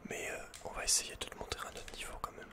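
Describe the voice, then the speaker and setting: Whispering man, ASMR game commentary. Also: quick pace. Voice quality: soft, breathy, unvoiced whisper. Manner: casual, murmured running reactions with slangy asides. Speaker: ASMR gaming video host.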